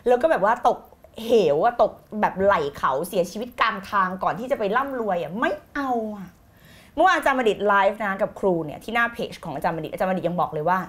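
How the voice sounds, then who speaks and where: A woman teaching the law of attraction on a live stream, energetic and emphatic, repeating key phrases and slipping in English words. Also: medium pitch, quick pace. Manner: mixes in English words, blunt slang.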